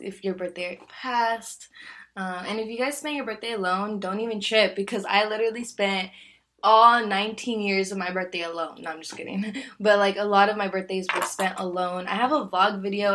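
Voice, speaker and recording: A woman's voice: mid-range voice, a bit bright. Casting: woman, early twenties, candid solo podcast host, loose slangy delivery with frequent fillers and laughter. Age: 20s. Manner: chatty, candid, laughs often, many fillers. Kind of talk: casual solo podcast chat.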